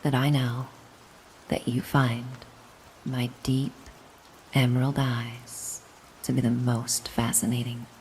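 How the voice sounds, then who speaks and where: A mysterious, doting caretaker acted by a woman speaks in a low, hushed-lullaby register for a hypnosis audio drama. She takes her time, gently coaxing and reassuring in an ASMR-like way. A faint wash of rain sits behind the voice. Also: flat delivery, takes it slowly, pauses often, slight background noise, poor audio. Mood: hypnotic, tender. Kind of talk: slow soothing hypnosis roleplay, ASMR-like.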